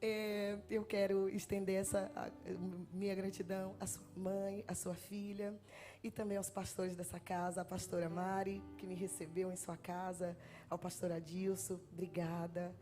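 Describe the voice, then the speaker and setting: Bahian woman guest preacher, 30s, warm dark tone, chatty and self-deprecating, faint music under. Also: medium pitch, little pitch movement, moderate pace. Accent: Bahian Portuguese. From Bahia, Brazil. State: nervous, trembling. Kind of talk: sermon with joking testimony. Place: church sanctuary. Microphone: handheld mic.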